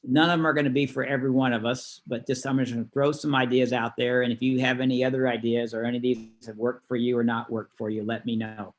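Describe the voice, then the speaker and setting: A man's voice: mid-range voice, level tone, quick pace, few pauses. A man working as a class instructor, explaining things conversationally in an informal online lesson. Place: online video call.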